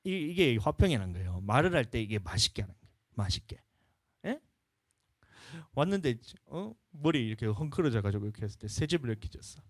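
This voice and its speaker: A male pastor with a Gyeongsang accent preaches in a folksy, storytelling manner and keeps urging his congregation to join in. His pitch swings widely as he speaks, and the sound is dry and close, with no room echo. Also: sing-song, fast. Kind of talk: sermon at a revival service.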